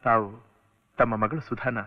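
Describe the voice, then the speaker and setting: An actor playing an idealistic young landlord and lawyer who speaks in an earnest, calm way. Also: male voice, medium pitch, unhurried, lightly acted. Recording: dull old film soundtrack.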